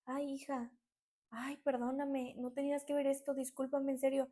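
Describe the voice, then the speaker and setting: A woman's voice: high-pitched, flat delivery, normal speed, mellow, natural voice. A woman voicing a tearful older grandmother who pleads and sighs anxiously. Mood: distraught pleading. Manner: pleading, sighing "ay".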